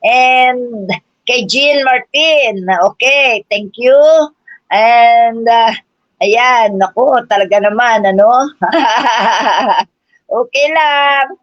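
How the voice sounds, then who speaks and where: Speaking slowly in a voice on the high side, an older political vlogger rants live on stream, mocking and combative, swearing a lot and laughing. She calls her audience brothers and sisters. There's no room sound, though the lo-fi stream audio is dull.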